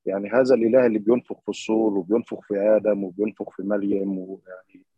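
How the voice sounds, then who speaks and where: A man's voice: lowish voice, level tone, rapid-fire, breathy edge, dry recording. A man with an Egyptian accent calling in to ask several rambling questions over a muffled online connection. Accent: Egyptian Arabic. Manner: rambling, many fillers. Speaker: caller. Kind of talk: call-in questions.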